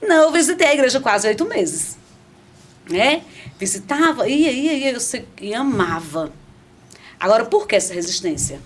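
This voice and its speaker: Middle-aged woman telling a lively testimony. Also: on the high side, moderate pace. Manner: animated storytelling with frequent restarts and asides to listeners. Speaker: podcast guest. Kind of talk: conversational faith testimony. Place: podcast studio.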